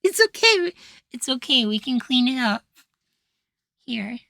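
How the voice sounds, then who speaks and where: ASMR roleplay: young femboy househusband, played by a man, sweet and easily flustered; soft feminine tone, unhurried delivery, close dry sound. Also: very high voice, sing-song, gravelly, no echo, exaggerated voice. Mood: gently coaxing. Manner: coaxing, gently praising, sweetly apologetic.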